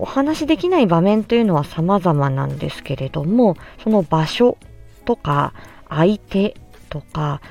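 A woman with a slightly low voice talks through a topic as a podcast host and speech therapist. She is polite and measured, pausing often with soft fillers. Faint music plays underneath. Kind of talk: explanatory podcast monologue.

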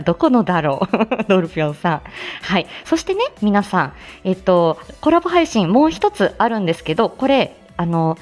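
A woman hosting a casual live stream, chatting and laughing often as she reads viewer comments, with plenty of fillers. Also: mid-range voice. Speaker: live stream host and voice actor.

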